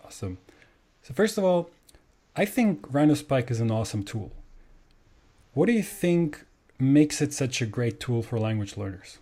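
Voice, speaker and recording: German male host, native German speaker, mellow timbre, enthusiastic casual interviewer. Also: mid-range voice, very animated, normal speed, pauses often. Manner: enthusiastic, says "awesome" often.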